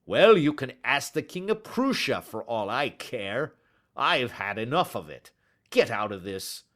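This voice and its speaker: A man voicing a surly, angry market salesman who shouts gruffly in a storybook reading. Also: on the low side, big pitch swings, unhurried, full character voice. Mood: angry shouting.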